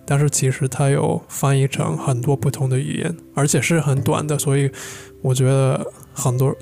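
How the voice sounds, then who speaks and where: A man's voice: medium pitch, creaky, mellow. A man who is an English speaker speaks in casual co-host chat, searching for words and mixing in English. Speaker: podcast co-host. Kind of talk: casual chat in learner's Mandarin.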